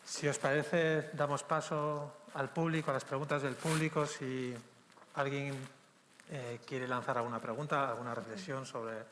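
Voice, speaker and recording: A man's voice: mid-range voice, flat delivery, moderate pace, fairly bright tone. A man moderates a panel, asking his questions in a tentative, hesitant way. A long hall reverb and faint ambient noise sit behind his voice.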